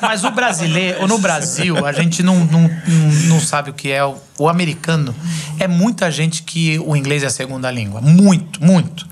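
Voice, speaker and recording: A man in his thirties from Brazil, hosting a podcast in a small studio at a boom mic, chatting casually and gesturing as he tells stories. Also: normal speed. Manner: animated, gesturing storyteller. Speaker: podcast host. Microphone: boom mic on desk arm.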